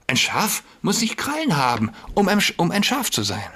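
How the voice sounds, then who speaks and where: A storybook wolf in sheep's disguise, put on by a male narrator, cooing in a raised, honeyed voice that sings up and down. Every answer comes out smooth and falsely soothing, with a faint husk under it. It is a crafty predator playing innocent. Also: high voice, huge pitch swings, moderate pace, pushed and bright, pitched above the performer's own voice, heavily acted. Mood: false sweetness. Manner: sweet, falsely reassuring. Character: sly wolf posing as a female sheep.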